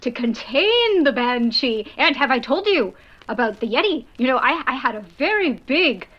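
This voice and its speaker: A woman's voice: high-pitched, big pitch swings, normal speed. A woman playing a vain, boastful male celebrity wizard and charming fraud, heard as a dull, lo-fi old recording. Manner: boastful, self-promoting, evasive.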